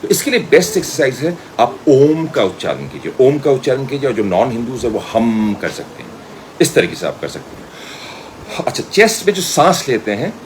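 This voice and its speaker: A man's voice: medium pitch, big pitch swings, normal speed, a little hiss or hum. An Indian man giving a theatrical voice-training lesson as a trainer, switching between Hindi and English and telling stories to demonstrate. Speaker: media school voice trainer.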